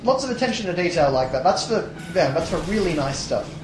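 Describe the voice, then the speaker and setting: A young man with a tired, hoarse voice, casually commenting on a platformer as a let's play host, rambling with many fillers and restarts. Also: a little high, big pitch swings, a little fast, roomy sound, noisy background. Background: game music.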